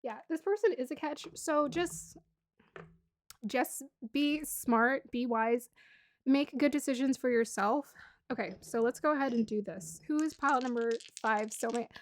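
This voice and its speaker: A woman doing a casual tarot reading to camera, chatty and bubbly, laughing often and a little hoarse from losing her voice. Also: high-pitched, unhurried. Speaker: tarot reader.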